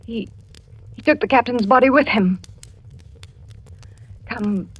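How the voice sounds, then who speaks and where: A cool, secretive French wife. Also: female voice, a little high, takes it slowly, slightly rough, lo-fi sound. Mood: grave. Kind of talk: 1940s radio acting.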